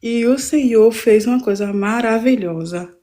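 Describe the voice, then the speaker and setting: A woman's voice: a little high, a little slow, dark tone. A woman giving a fervent, rambling church testimony from home on a live stream, with many restarts.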